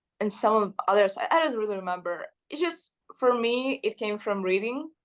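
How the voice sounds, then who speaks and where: The speaker is a woman with a Ukrainian accent. Her intonation is lively. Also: fairly high pitch for a woman, moderate pace. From Ukraine. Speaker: journalist. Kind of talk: interview.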